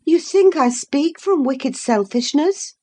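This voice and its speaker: A proud young noblewoman, cutting and emphatic, her lines pitched high and swinging widely, as a woman reader puts her on. She lays out her words slowly and with declamatory weight, storybook drama in the telling. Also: expressive, darkish tone. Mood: defiant. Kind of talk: audiobook dialogue reading.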